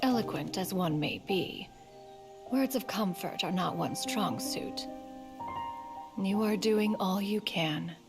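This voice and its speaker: Aloof but caring immortal lady elder from a video game, formal old-fashioned wording, creaky edge, music under it. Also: medium pitch, animated. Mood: solemn, reassuring. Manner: formal, archaic, measured speech. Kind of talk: scripted video game voice acting.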